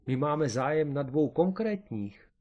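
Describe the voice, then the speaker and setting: A man voicing a gloomy, grumbling amateur detective in a comic storybook reading, pitched above his own voice. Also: big pitch swings, a little mellow, highs cut off.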